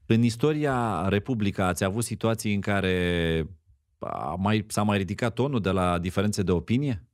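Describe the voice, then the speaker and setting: A man's voice: fairly low pitch, dry recording, clean studio sound. A man with a Romanian accent hosts a podcast, asking curious questions and often agreeing with his guest. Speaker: podcast host. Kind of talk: podcast interview.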